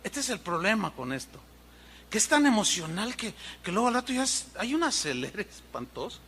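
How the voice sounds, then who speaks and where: A middle-aged pastor delivers an animated sermon full of anecdotes. He mimics noises and other people for humor, his fairly high voice swinging widely in pitch. His tone is bright and forceful. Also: moderate pace, slight background noise. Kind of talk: sermon with storytelling.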